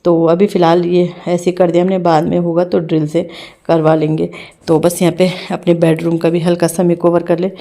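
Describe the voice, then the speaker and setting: A young woman narrates her home vlog in a chatty, homely way. Her voice sits a little low. She restarts and adds fillers as she goes. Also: flat delivery, moderate pace, vocal fry, warm tone. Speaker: home vlogger. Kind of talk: casual vlog voice-over narration.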